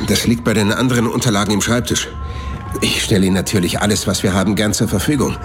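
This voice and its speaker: A man's voice: lowish voice, steady tone, fast, close to an everyday voice. A man playing a polite, obliging innkeeper in a German audio drama. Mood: helpful. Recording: clear music behind the voice.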